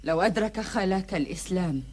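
An actress playing a stern, devout tribal matriarch in a historical epic drama, reproachful and declamatory in formal Arabic. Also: female voice, medium pitch, animated, quick pace, a little mellow, breathy edge. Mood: indignant.

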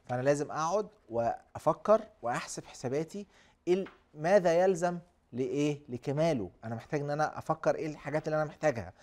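Egyptian male guest, quick but calm explainer on live TV. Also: fairly high pitch. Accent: Egyptian Arabic. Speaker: guest speaker. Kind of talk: live studio talk show.

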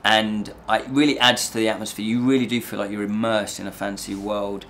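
A man's voice: fairly low pitch, little pitch movement, a little fast, a bit bright, a little hiss or hum. A middle-aged man giving a casual, rambling review to camera, often repeating and rephrasing himself. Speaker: host of a fantasy review show. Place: small indoor set with draped backdrop.

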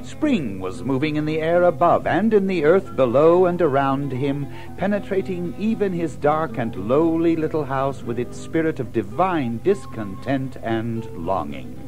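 A male narrator reads a storybook with theatrical relish. His fairly high voice moves freely up and down at a slow pace, lingering on lists and alliteration. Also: sing-song, darkish tone, faint music behind, rough recording. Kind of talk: expressive scripted storybook narration.

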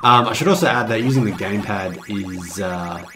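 A man's voice: lowish voice, a little fast, over music. A hungover man giving loose, rambling, joking, self-mocking casual commentary as he hosts a video game review.

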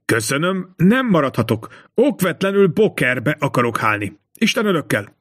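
A man's voice: on the high side, very animated, fairly bright tone. A man voicing a courteous, chatty travelling jeweller in an audiobook. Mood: polite. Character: polite travelling jeweller, cheerful.

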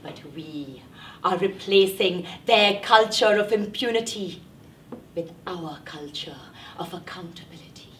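A hoarse woman voicing a chorus of defiant elderly indigenous grandmothers, declaiming between loud cries and hushed whispers. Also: fairly low pitch, unhurried, a little hiss or hum, natural voice. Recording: roomy hall from a distant mic.

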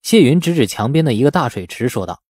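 A man's voice: mid-range voice, very animated, fast talker, a little mellow, slightly rough, no room sound, studio quality. A man narrating a novel as a scripted audiobook in a storytelling style.

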